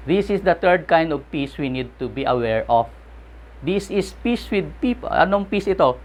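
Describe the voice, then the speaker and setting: Filipino man preaching a sermon. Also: on the high side. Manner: mixes two languages, slows to stress key words. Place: online church gathering.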